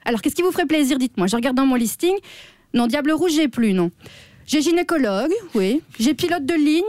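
A woman playing a chatty job-center clerk who talks to an unheard caller, slightly hoarse and full of fillers. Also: high-pitched, animated, fairly quick, a little mellow, no echo, studio quality. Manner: gossipy, talks to an unheard caller, constant "hein". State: a little hoarse. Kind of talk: comedy sketch on radio.

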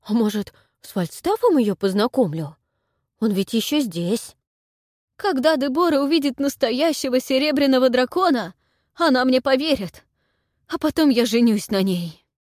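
A woman reading an audiobook voices a frantic, lovestruck older male historian who wails and pleads in a high, loud, drawn-out voice. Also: sing-song, husky, no echo, clean studio sound. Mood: panicked wailing. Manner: wailing, breathless pleading.

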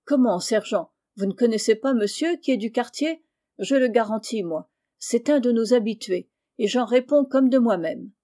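A woman's voice: a little high, lively intonation, normal speed, mellow. A woman reading the part of a loyal young café waiter in a storybook, in a reassuring way. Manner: reassuring, earnest.

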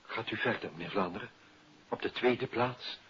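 Casting: man to play probing, formal radio-play interrogator, fairly deep voice; faintly hissy 1950s recording. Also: moderate pace, fairly bright tone, dull audio, natural voice. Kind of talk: 1950s Dutch radio drama acting.

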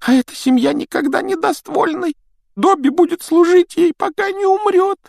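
A man voicing a tearful, groveling male house-elf with a shrill, squealing, wailing voice in an audiobook reading. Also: normal speed, gravelly, a little mellow, dry recording, clean studio sound. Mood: pleading, fervent. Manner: squealing, wailing, self-pitying. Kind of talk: audiobook character voice.

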